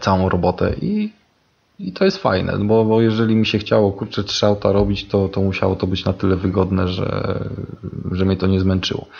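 The man's fairly low voice stays monotone and flat at a moderate pace. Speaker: gaming podcast co-host. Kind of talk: casual chat.

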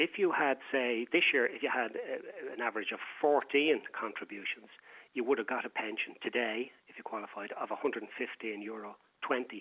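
A man with an Irish accent at a moderate pace. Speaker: pensions expert caller. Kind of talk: radio phone-in. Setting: phone call.

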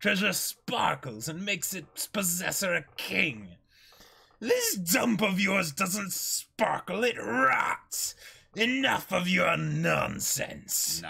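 In a put-on character voice, a man speaks very slowly, raspy and high-pitched. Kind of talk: comic dramatic reading. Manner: gloating, mocking, blustering.

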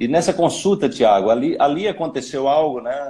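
A man's dark, mellow voice moves at a moderate pace. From Pernambuco, Brazil (sertão, then Recife). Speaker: coach and speaker on quantum healing. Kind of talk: live-stream interview. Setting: live video stream. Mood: reflective, relaxed. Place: home room. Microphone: video call.

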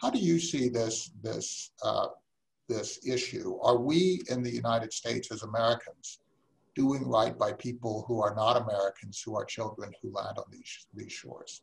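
Big swings in loudness mark a man's speech at a moderate pace. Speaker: webinar host. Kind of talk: panel discussion. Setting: video call. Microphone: video call.

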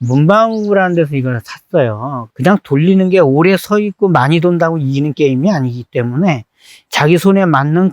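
A man with a normal speaking voice talks at a moderate pace and fairly high pitch, with lively intonation, a quiet background and dry, close sound with no echo. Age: 60s. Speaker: architect, interviewee. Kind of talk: interview answer, recalling childhood games.

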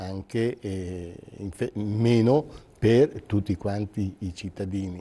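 A man speaks with a dark, mellow tone. His fairly low pitch shows ordinary variation. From Veneto, lower Padua province (Montagnana area); Veneto. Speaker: retirees' association president; guest. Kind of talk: TV panel discussion. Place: studio. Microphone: lapel.

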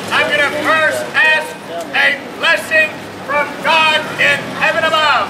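Amid noticeable background noise, a man speaks in a raised, projected voice. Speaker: street preacher. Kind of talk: sermon and prayer. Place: street. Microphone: camera far.

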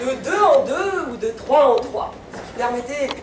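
A woman speaks at a very slow pace amid audible room echo and light background noise. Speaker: performer giving a gesticulated lecture. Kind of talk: storytelling stage talk. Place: stage.

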